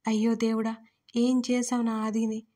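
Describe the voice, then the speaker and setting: A woman's voice: on the high side, completely flat delivery, moderate pace, mellow, lightly acted. Varsha, a heartbroken young woman, read by a woman. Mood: grieving. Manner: pleading, sobbing delivery. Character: grieving young woman, desperate and tearful.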